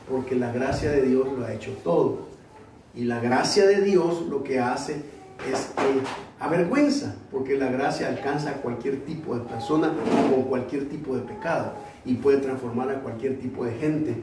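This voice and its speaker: Pastor man telling a story in his sermon, far off mic, faint room hum. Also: warm tone. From El Salvador. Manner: storytelling preacher, acts out quoted dialogue, rises in pitch when exhorting. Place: church. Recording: echoey church hall, heard from a distance.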